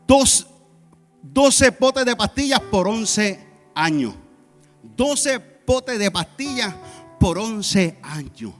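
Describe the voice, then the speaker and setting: A man preaching a sermon as pastor, telling a personal testimony with loud peaks and quiet asides. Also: high-pitched. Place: church sanctuary. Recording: long church hall reverb, faint music.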